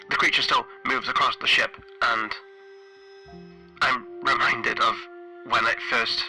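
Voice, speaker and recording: A man's voice: mid-range voice, pushed and bright, rough recording. Man acting a tense, haunted spaceship engineer. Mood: uneasy, bitter. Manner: halting, stammering, breathy whispered trailing phrases. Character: anxious, isolated male spaceship engineer recording log entries. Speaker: player of a solo tabletop horror game. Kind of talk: in-character audio log, dramatic monologue.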